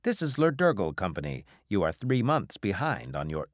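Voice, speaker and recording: A man's voice: sits low, sing-song, moderate pace, no echo, studio quality. A man voicing an officious robot debt collector, formal and relentless, in an audiobook.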